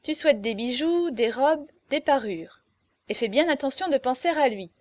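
A woman's voice: sits high, lively intonation, moderate pace, no echo. Give me a woman voicing a playful young gypsy woman from a storybook, insistent and teasing.

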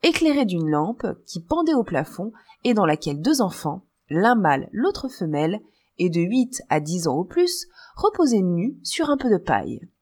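A woman narrating an audiobook novel in the first person. Her reading is expressive, with a lively, wide-ranging pitch in a medium register. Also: normal speed, breathy edge. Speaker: audiobook reader.

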